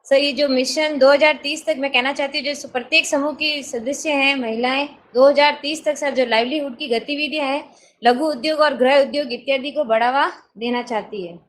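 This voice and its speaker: A woman's voice: sits high, fairly even intonation, normal speed. A woman from a self-help group making polite, formal suggestions on a video call. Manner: polite, keeps saying sir.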